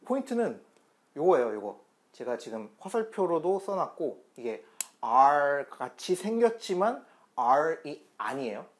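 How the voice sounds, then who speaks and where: Guy teaching pronunciation online, voice jumps around a lot, walks you through it step by step. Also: fairly high pitch. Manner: explains step by step and repeats demonstration sounds; lively, chatty teaching tone.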